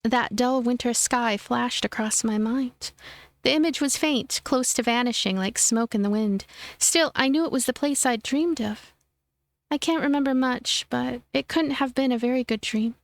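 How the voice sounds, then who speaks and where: High-voiced woman narrating a visual novel. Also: moderate pace, no echo. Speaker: let's play narrator. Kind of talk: expressive scripted visual novel narration with casual asides. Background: background music.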